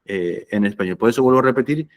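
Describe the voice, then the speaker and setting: A man's voice: mid-range voice, fast. A man giving an anatomy lecture, conversational and often checking that students follow. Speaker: anatomy teacher. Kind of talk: lecture explaining slides.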